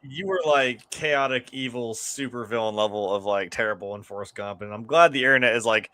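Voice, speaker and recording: A man's voice: mid-range voice, fairly quick, crowd noise. A man co-hosting a film review, bantering casually with sardonic, profane jokes.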